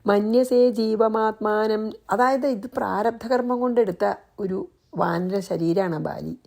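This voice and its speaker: A woman's voice: mid-range voice, creaky, a little mellow. A woman giving a devotional scripture commentary, patiently explaining point by point with repeated rhetorical questions. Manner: breaks into slow chanted Sanskrit verses. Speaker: scripture teacher.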